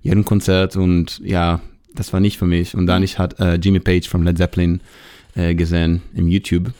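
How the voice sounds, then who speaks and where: A young man from Israel with an Israeli accent, a musician guest speaking halting German with grammar slips. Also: deep voice, little pitch movement, dark tone, smooth. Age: young adult.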